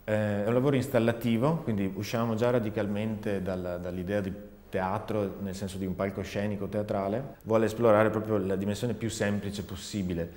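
A man's voice: on the low side, fairly even intonation, brisk, a little mellow. A man in his forties explaining his artistic work in an interview, thoughtfully, with searching restarts. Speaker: performing artist and sound researcher. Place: dark indoor studio, seated. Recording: roomy, reverberant hall sound.

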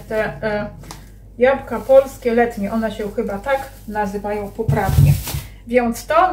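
Woman, 30s, mother, family vlogger, casual chat, rambling, talks to viewers, slightly high voice. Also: a little hiss or hum. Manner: chatty, rambling, addresses viewers directly.

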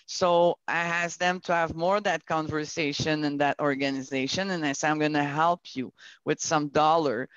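Woman on a panel call, smooth clear voice kinda high for her, dry sound a bit muffled, lots of restarts. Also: fairly even intonation, moderate pace, dry recording. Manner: earnest, searching for words with many restarts. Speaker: business panelist from a bank. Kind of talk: panel discussion over a video call.

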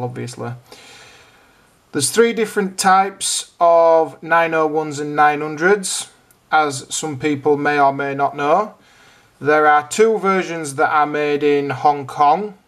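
A British man with a slightly high voice narrates an informal how-to video. He explains each step in turn as a hobbyist host would, in plain conversational phrasing. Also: fairly bright tone.

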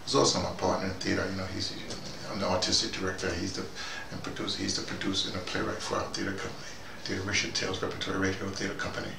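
A man plays an opinionated, easygoing intellectual guy with a low, gravelly voice. He rambles casually and argues his points, often digressing. He is recorded at a distance in an echoey, noisy room. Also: racing, few pauses. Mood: casual, rambling. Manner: digressive, animated, argumentative, punctuated with "you know". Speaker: vlogger in character. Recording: distant mic, echoey room, loud background noise.

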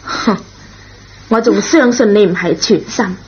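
A woman playing a forgiving, gently reproving schoolteacher in a Cantonese radio drama, with a husky, rough voice. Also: medium pitch, slow pace. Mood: taken aback. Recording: dull lo-fi old radio recording.

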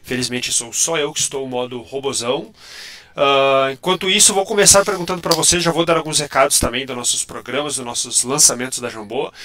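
A man's voice: medium pitch, bright, forceful tone. A man hosting a live online panel chat over a video call, his voice turned metallic and robot-like by an audio glitch, jokey and teasing. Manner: jokey, teasing, laughs often. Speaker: host of a publisher's live show. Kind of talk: casual livestream panel chat.

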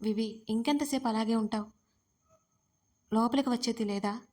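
A woman's voice: on the high side, normal speed, a little mellow, lightly acted. A woman narrator voicing a cheeky young woman who teases the newlyweds in an audio story. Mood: teasing. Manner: mocking and cheeky. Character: teasing, playful young woman, the bride's cousin.

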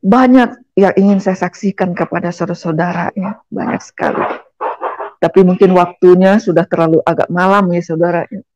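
A woman's voice: lowish voice, normal speed, darkish tone, no echo, muffled recording. A middle-aged woman from Indonesia gives an earnest personal testimony in church and keeps addressing her listeners directly. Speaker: guest giving a testimony.

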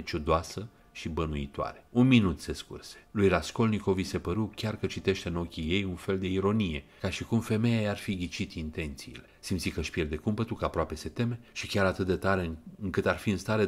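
A man narrating an audiobook retelling of a novel in an even, measured way, quoting passages. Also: deep voice.

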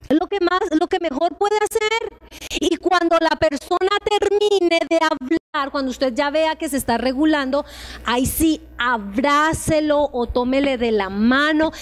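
High-voiced Colombian woman giving a talk. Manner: addresses listeners directly with questions; acts out short dialogues in changed voices. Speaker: speaker giving a talk to tutors. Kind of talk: informal lecture on emotional support.

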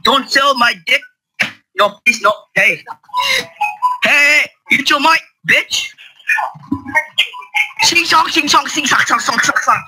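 A man making prank calls on a group voice chat, talking casually in a crude, halting way full of swearing. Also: extremely high pitch, sharp tone, soft background music, poor audio. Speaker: prank caller. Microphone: computer mic on an online voice call.

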